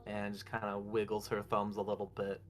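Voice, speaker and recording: A man's voice: lowish voice, monotone, a little fast, a bit bright, pitched below the performer's own voice, natural voice. A man voicing a hesitant woman mage with a put-on Russian accent.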